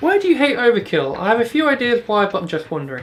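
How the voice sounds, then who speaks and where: The speaker has a British accent. Noticeable background noise runs underneath. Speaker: YouTuber, gamer. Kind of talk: Q&A casual chat.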